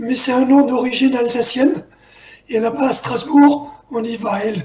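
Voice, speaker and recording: Speaking fairly slowly, a man with an extremely high-pitched voice keeps his intonation fairly even. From France, Grenoble. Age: 70s. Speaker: pilgrim hiker and author. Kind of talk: interview. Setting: at home, remote call.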